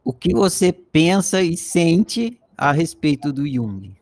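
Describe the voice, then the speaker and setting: A Brazilian man with a somewhat high voice hosts the talk, asking questions in a loose, friendly way. His Brazilian Portuguese accent comes through clearly. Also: very animated, takes it slowly, darkish tone. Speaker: interviewer host. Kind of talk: interview questions.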